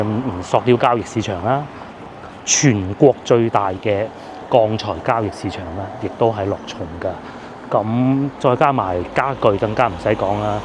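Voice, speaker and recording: Riding through streets outdoors, a food vlogger with a Cantonese accent narrates casually, rambling and chatty with fillers. His voice is fairly low, set against a noisy background.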